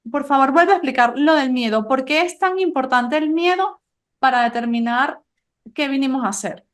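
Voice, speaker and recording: A woman podcast host, asking questions and telling stories in an animated, conversational way. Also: high voice, moderate pace. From Venezuela. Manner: warm, animated storytelling with laughs.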